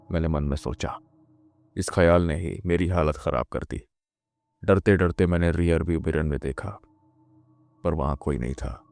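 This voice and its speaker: Man, deep low voice, gravelly texture, scripted horror narration, measured pace. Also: darkish tone, a little hiss or hum.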